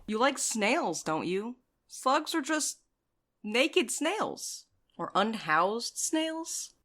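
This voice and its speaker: A woman's voice: a little high, very animated, drawn-out words, a bit bright, heavily acted. A woman playing a blunt, sardonic, protective courier with a dry delivery in an audio drama. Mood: amused, dismissive. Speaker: voice actor.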